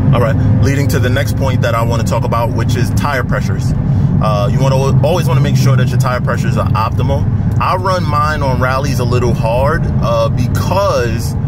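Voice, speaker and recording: Loud background noise accompanies a man speaking at a fairly quick pace with ordinary pitch variation, and the sound is dry with no echo. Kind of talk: tutorial. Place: car. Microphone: phone near.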